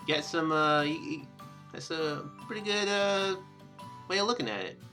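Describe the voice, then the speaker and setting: A man giving casual gameplay commentary in a halting, rambling, self-deprecating way. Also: a little high, sharp tone, soft background music. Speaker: let's player. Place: indoor room at home.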